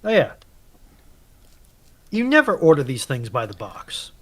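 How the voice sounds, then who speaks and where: A man's voice: fairly high pitch, huge pitch swings, a little slow, a bit bright. A man taking part as a panelist in a casual chat.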